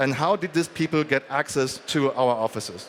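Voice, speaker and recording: Noticeable background noise is audible. A man talks over it. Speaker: software consultant. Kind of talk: conference talk. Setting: stage with audience. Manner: loud.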